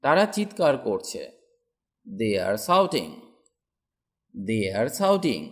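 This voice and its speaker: A man teaching English, saying a sentence in Bengali and then repeating its English version twice, slowly and clearly. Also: mid-range voice, huge pitch swings. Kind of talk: slow drilled sentence practice.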